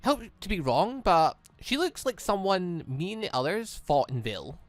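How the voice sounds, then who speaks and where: A man's voice: sits high, very animated, moderate pace, dry recording, faint music behind. A man voicing a poised, shrewd young woman in a visual novel, speaking formally and inquisitively. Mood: suspicious.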